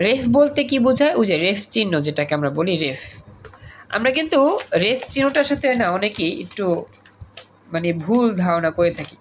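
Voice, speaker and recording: A man's voice: sits high, sing-song, fairly quick, a bit bright, slight background noise. A male teacher, teaching an online class over a video call and drilling students with repeated questions and examples. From Bangladesh.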